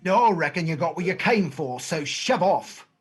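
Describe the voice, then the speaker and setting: An actor playing Fagin, an oily, theatrical gang boss of street thieves, in a dramatized play reading, full of drawn-out endearments. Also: mid-range voice, animated, breathy edge. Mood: wary, grudging.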